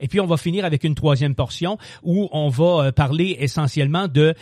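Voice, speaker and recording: A fairly high-pitched man hosts a podcast interview. He talks in an easygoing, chatty way. His voice sounds close and dry. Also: a little fast, darkish tone, no echo. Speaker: podcast host.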